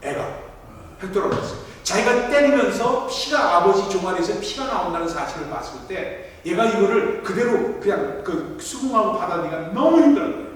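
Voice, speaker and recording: A middle-aged man preaching a sermon, telling a story and acting out its voices with sudden loud peaks. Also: sits high, expressive, brisk. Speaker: pastor. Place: large church sanctuary. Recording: echoey hall from far off.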